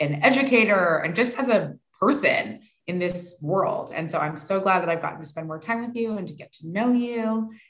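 Lively in intonation, a woman talks at a moderate pace. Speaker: podcast host. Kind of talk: casual chat. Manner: enthusiastic.

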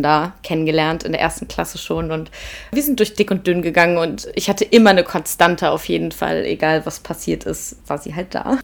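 Her pitch sits fairly low, with ordinary variation. This woman has vocal fry and speaks at a moderate pace. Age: 20s. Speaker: art student. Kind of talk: casual chat.

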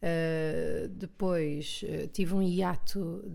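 A woman with a European Portuguese accent and a dark, mellow tone. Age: 30s. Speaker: comedian. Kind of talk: casual monologue.

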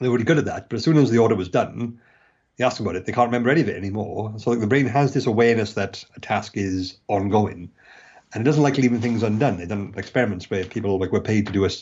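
A man with a Welsh accent at a fairly low pitch and a very fast pace, with ordinary pitch variation. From Wales. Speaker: neuroscientist and author. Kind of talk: casual interview conversation.

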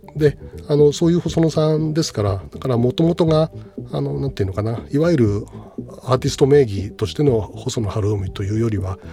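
With noticeable background noise, a man talks at a fairly quick pace in a medium pitch that swings very widely. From Tokyo, Japan. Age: 60s. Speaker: music producer and agent. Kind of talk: solo podcast monologue. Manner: frequent fillers (えー).

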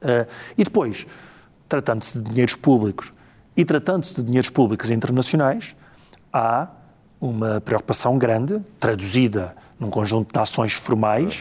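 At a moderate pace and a medium pitch, a man speaks with lively intonation, broken by long, frequent pauses. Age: 40s. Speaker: public agency president. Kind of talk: interview.

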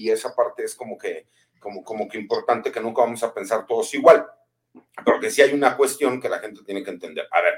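A man speaks at a fairly quick pace. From Mexico, raised in Jalisco. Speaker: lawyer, security expert. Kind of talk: panel discussion.

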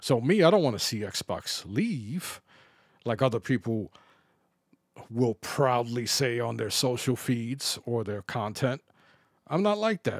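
With a New York accent, a man at a medium pitch speaks at a fairly slow pace with lively intonation and long, frequent pauses, in a dry, close sound with no echo on a very clean recording with a silent background. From US Northeast (Bronx, New York City). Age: 50s. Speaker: gaming podcaster. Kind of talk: solo podcast monologue. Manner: animated.

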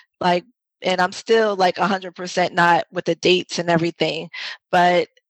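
The voice carries a New York accent, recorded with a dry, close sound and no echo. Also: woman. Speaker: massage therapist and sports trainer. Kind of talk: interview. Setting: video call.

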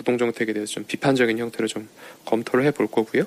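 Over noticeable background noise, a man speaks at medium pitch. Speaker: legislative aide. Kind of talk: field interview.

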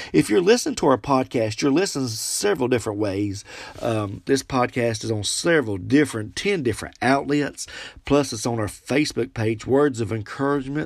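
A man's medium-pitched voice moves at a fairly quick pace with lively intonation. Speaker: devotional podcast host. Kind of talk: devotional teaching. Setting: solo podcast recording. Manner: halting.

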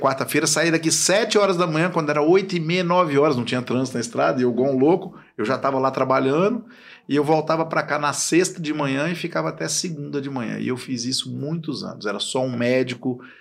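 The speech comes at a very fast pace with hardly any pauses. Pitch varies in an ordinary way. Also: man, fairly high pitch for a man. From Goiás, Brazil (born in Minas Gerais). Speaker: physician. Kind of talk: casual interview chat.

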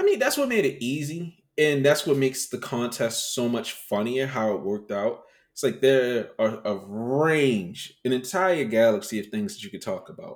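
At a moderate pace with hardly any pauses, a man speaks in an animated tone at medium pitch, his intonation lively and his loudness swinging widely. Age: 30s. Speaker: sneaker podcast co-host. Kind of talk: casual chat.

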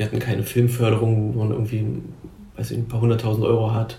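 His voice sits at a medium pitch. This man speaks very rapidly. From Berlin, Germany. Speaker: film director. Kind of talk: casual interview.

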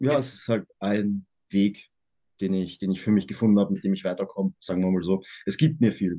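The voice has a dark, mellow tone, ordinary pitch variation and a fairly quick pace, in a dry, close sound with no echo. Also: man, fairly low pitch for a man. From Vienna, Austria. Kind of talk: casual chat.

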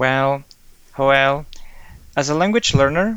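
Speaking very slowly, a man with a Spanish accent uses a fairly high pitch and ordinary pitch variation. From El Salvador. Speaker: online language tutor. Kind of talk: interview.

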